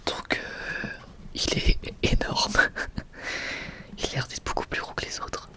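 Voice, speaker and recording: A man's voice: slow, pushed and bright. Whispering young man, ASMR. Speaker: ASMR video creator presenting a manga collection.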